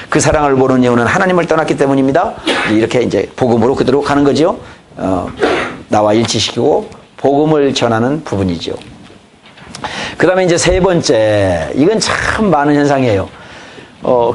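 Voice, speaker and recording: A man's voice: medium pitch, slight background noise. A pastor in his fifties giving a church training lecture, telling folksy family stories and acting out conversations. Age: 50s. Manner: folksy storytelling, acts out dialogue. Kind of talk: lecture on evangelism.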